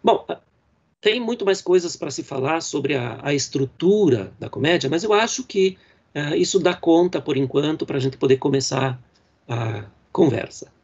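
A man from Brazil delivers a university lecture on poetic verse and fills his explanations with small fillers. His voice sits a bit high for a man, and it reaches the listener through dull, muffled audio. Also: animated, a little mellow, husky. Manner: reads verse lines slowly and deliberately. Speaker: literature professor.

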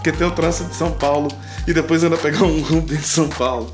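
A man's voice: on the high side, steady tone, quick pace. A young Brazilian man chatting casually to camera as a vlogger, in an informal, slangy way. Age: young adult. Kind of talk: casual vlog chat to camera. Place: indoor room, then bus station and rest stop. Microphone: handheld action camera at arm's length. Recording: loud background music.

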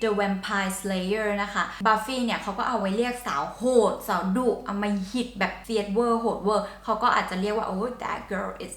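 A woman's voice: medium pitch, steady tone, moderate pace, hardly any pauses, a bit bright, roomy sound, a little hiss or hum. A woman hosting a channel, explaining song lyrics and slang in a chatty, playful way. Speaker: song translator, channel host. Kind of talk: casual explaining lesson.

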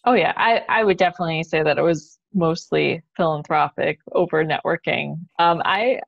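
A young woman with a fairly low, noticeably creaky voice chats casually as a panel guest. The audio is dry but dull, like a lo-fi video call. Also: normal speed, no room sound. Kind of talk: casual chat. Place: bright living room, indoors. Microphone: video call, computer mic.

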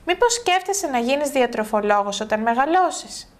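A friendly, questioning man runs the place, read by a woman with little change to her own voice. He asks one thing after another in a good-natured way. The higher pitch is hers. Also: expressive. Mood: curious.

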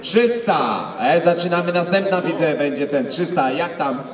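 A man's voice: on the high side, lively intonation, moderate pace. A man acting as auctioneer, repeating numbers and prompting bidders through a microphone in a big sports hall. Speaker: auctioneer at a racing pigeon auction. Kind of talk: live auctioneer calling rising bids. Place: large indoor sports hall. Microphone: handheld microphone over PA, picked up from afar. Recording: echoey sports hall PA, distant, crowd noise.

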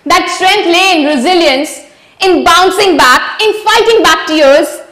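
A young woman from India performing a dramatic spoken-word monologue in measured, rhythmic phrases at a stand mic on a stage. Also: extremely high pitch, fairly bright tone. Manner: measured, rhythmic recitation with swelling lists. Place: large wooden-walled hall. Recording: roomy hall.

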